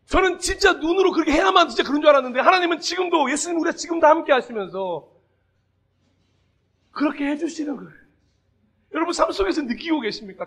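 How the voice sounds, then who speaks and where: A man pastor giving a Sunday sermon, talking to the congregation conversationally, asking them direct questions and bursting into shouted emphasis. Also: very high voice.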